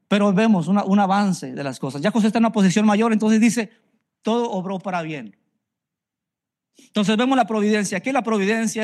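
A man's voice: sits high, darkish tone. A man, preaching a sermon and telling his own story in an earnest way, often repeating phrases for emphasis. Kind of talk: personal testimony sermon.

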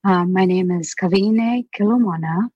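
A woman's voice: mid-range voice, moderate pace, husky, dry recording, highs cut off. A young woman from Alaska and Hawaii, talking reflectively in a casual interview with plenty of fillers. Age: young adult. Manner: reflective, conversational, many fillers.

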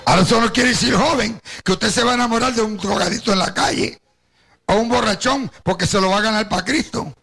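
With a high, brisk, bright voice that's forceful and slightly rough, an older Puerto Rican man tells his personal story as testimony, speaking directly to the congregation. His accent is Caribbean Spanish, Puerto Rican with a Cuban tinge.

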